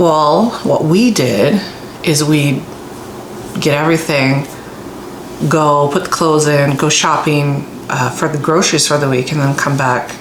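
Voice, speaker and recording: A woman speaks in a very deep, low pitch. Audible room echo and noticeable background noise surround her voice. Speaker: truck driver and vlogger. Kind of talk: casual vlog talk to camera. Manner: slow; halting, many fillers.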